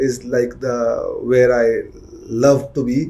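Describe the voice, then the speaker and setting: A man with an Indian accent, with audible room echo. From India, Bihar (Muzaffarpur). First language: Maithili. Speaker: AI startup founder. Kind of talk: podcast interview. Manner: halting, many fillers.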